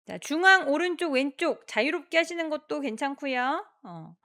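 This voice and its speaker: A woman exercise instructor guiding a workout, giving encouraging cues and counting reps aloud in a steady rhythm. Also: high-pitched, normal speed.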